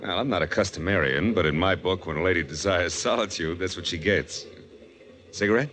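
Brash flirty crook, very low voice, slangy wisecracks, 1940s radio drama, faint noise. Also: male voice, brisk, a bit bright. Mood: flirtatious. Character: brash, flirtatious man on a train, secretly a crook. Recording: noisy old 1940s radio recording.

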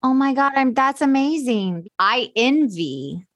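A woman's voice: high voice, big pitch swings, a little slow, no echo. A woman hosting an interview, effusive and direct, pressing her guest with questions and encouragement. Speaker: host.

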